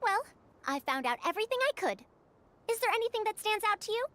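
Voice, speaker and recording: High-pitched, proud scholarly lady. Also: sing-song, fast talker, fairly bright tone, full character voice. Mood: thoughtful, explaining. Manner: formal, bookish phrasing. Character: proud, scholarly woman researcher, brisk and self-assured. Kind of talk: English video game voice acting.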